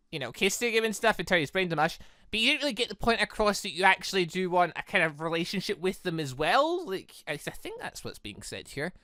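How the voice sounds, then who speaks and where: Bright, clear-voiced, rambling gaming commentator. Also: mid-range voice, no echo, clean studio sound. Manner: rambling, chatty, frequently side-tracked. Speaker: gaming video creator, narrator. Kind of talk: casual visual novel let's play, reading dialogue aloud and commenting.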